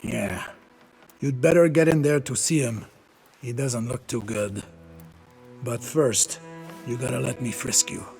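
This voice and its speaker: A rough, wary prison thug in a video game. His mid-range voice is full of gravel and he speaks bluntly and coarsely. Music plays clearly behind him. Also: mid-range voice, a little slow, long pauses, a little mellow. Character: rough convict door guard, wary man.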